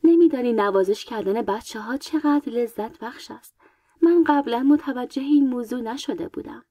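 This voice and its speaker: A proud, vain young queen, voiced by a woman reading a storybook aloud, speaks with easy self-assurance. The voice sits a little high and stays soft and mellow rather than bright. It is recorded close and dry, with no room sound. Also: no echo. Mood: warm. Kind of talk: audiobook character voice.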